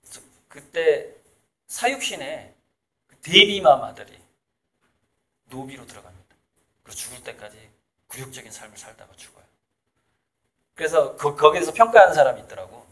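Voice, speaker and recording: A man's voice: fairly high pitch, very animated, normal speed, pauses often, a bit bright. A man from South Jeolla talking in a casual, emphatic way as an interviewee, making his points with laughs in between. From South Jeolla, Korea. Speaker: artist and author, interviewee. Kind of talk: casual conversational lecture.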